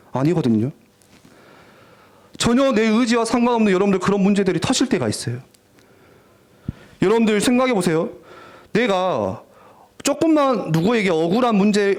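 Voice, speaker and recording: Animated high-voiced youth preacher man. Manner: animated storytelling, acting out teen voices. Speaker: youth pastor. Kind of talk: lively youth sermon.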